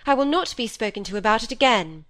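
A woman's voice: fairly high pitch, expressive, quick pace, voice pushed up. A woman voicing a proud, impatient young woman who speaks sharply and curtly. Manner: sharp, curt.

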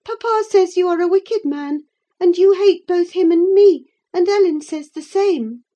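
A woman voicing a spirited, willful teenage girl who talks high and excitably in an audiobook. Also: measured pace. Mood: defiant. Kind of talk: audiobook character reading.

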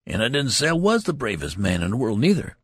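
A loud young soldier full of swagger and country talk, his voice jumping high and all over the place, as a man reads him. He bristles when doubted, with a gravelly, husky edge underneath. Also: sing-song, a little slow, no echo, studio quality, exaggerated voice. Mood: indignant. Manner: country dialect, boastful and indignant. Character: boastful loud young male soldier, brash and touchy. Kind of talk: audiobook character reading.

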